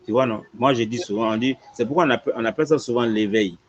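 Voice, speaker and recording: Husky guy explaining religious stuff, voice all over the place, kinda muffled recording. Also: mid-range voice, fast. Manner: lively, repetitive explaining with frequent "tu vois". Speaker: imam answering questions. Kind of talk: religious teaching in conversation. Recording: dull lo-fi audio.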